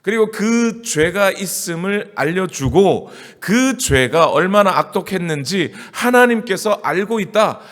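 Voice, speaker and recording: A man's voice: high voice, expressive, a little slow, few pauses, fairly bright tone. A male pastor preaching a sermon in a conversational style, asking his congregation question after question. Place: church sanctuary. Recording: church hall with long reverb.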